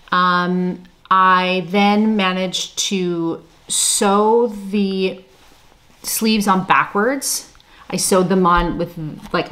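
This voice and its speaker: A woman in her thirties or forties, a mother and sewing vlogger, chatting casually and self-deprecatingly as she shows her makes, laughing often. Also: on the low side. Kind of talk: casual show-and-tell chat.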